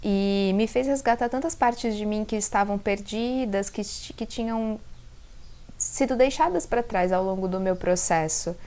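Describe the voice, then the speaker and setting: A woman in her thirties from the interior of São Paulo state, with its inland accent, talking to her viewers in a casual, expressive vlog. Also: medium pitch, unhurried. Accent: interior São Paulo (caipira r). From interior of São Paulo state, Brazil. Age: 30s. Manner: conversational and expressive, often addresses viewers directly. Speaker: self-leadership content creator. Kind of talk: casual reflective vlog to camera.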